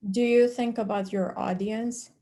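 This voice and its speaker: Slow-paced woman interviewer, measured. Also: on the high side, steady tone, mellow. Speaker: interviewer, academic discussant. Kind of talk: moderated literary conversation.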